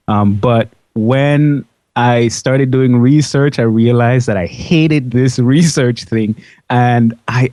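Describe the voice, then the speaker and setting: Male interview guest from a Dutch Caribbean island, Dutch-schooled, enthusiastic conversational storyteller, mid-pitched, dry close sound. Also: mellow, no echo. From Dutch side of a Caribbean island. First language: Dutch-schooled, fluent English. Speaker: interview guest, biology educator.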